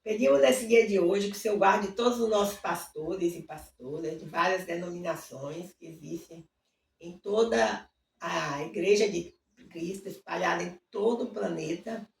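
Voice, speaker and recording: A woman hosting a devotional reading, fervently reading hymn lyrics aloud, adding warm asides, and leading a prayer. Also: on the low side, moderate pace, vocal fry, a little hiss or hum. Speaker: Bible reading host. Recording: roomy, distant mic with faint ambience.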